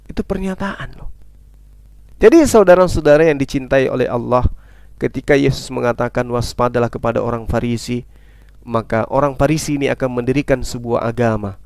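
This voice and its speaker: A man's voice: mid-range voice, brisk, creaky, smooth, no echo. A man preaching in an emphatic debate style, citing scripture and firing repetitive rhetorical questions that he answers himself. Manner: forceful, insistent delivery. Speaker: Islamic preacher in interfaith debate.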